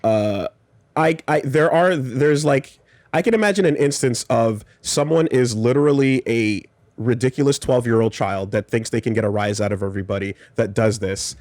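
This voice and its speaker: A man speaking as a guest on a casual panel discussion, in a measured and thoughtful way with frequent pauses. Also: mid-range voice, darkish tone, no echo.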